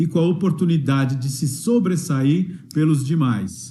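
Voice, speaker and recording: A man speaks at a fairly slow pace with a dark, mellow tone and ordinary pitch variation. Audible room echo surrounds his voice. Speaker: sales trainer. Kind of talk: webinar lecture. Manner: loud.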